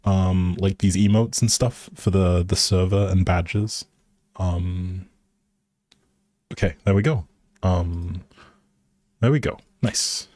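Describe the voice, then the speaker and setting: A man with a deep, low voice talks through a game livestream. He is unhurried and easygoing, thinking aloud as he goes. The sound is close and dry, with very little room. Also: steady tone, a little mellow, dry recording. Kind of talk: casual livestream commentary while playing a life simulation game.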